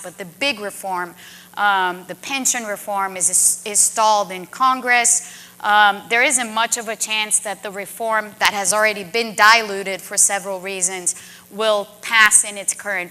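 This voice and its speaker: A woman moderating a conference panel, giving measured remarks and thinking aloud with restarts. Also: mid-range voice, pushed and bright.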